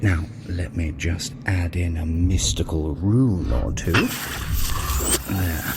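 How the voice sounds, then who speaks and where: An actor playing a sly, theatrical trickster god in an audio drama, pompous, wordy and teasing with mock innocence. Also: male voice, sits low, fairly even intonation, slow, gravelly, big-room sound, very noisy, full character voice. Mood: sly, fussy. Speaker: guide of a training adventure.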